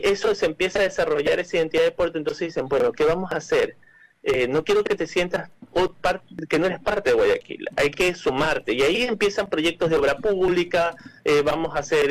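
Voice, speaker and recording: A man's voice: a little high, poor audio. An Ecuadorian man answering interview questions as a cultural manager, often hesitating, restarting and repeating words.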